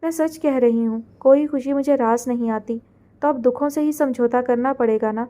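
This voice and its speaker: A heartbroken young woman, tearful and full of reproach, pleading with the man who left her, as a woman narrator voices her. Her voice sits high and soft, with a mellow, unhurried tone, like a character in a read-aloud romance novel. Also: close to an everyday voice.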